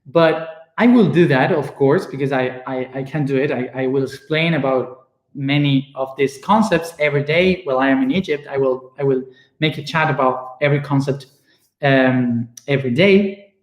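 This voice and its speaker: A young man with an Argentine accent and Spanish as his first language, talking to his viewers in a casual personal monologue and often pausing to search for words. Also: medium pitch. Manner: searching for words, many fillers and restarts. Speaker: spiritual speaker. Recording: echoey room.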